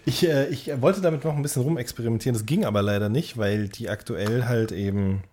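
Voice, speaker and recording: A man's voice: medium pitch, fast talker, warm tone. A man in casual podcast chat as co-host, explaining things while thinking aloud and rephrasing hesitantly.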